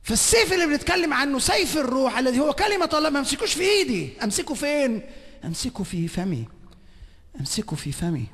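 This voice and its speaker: A man with an Egyptian Arabic accent preaching a sermon at a conference, swinging between shouting and hushed whispers. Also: very high-pitched, very animated, fast talker, big-room sound. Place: large conference hall.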